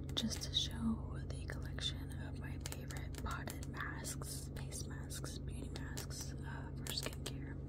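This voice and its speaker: Someone whispers at a very slow pace with hardly any pauses. Loud background noise is present. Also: woman. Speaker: ASMR creator. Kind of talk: ASMR whispered show and tell. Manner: whispered. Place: home room. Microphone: phone near.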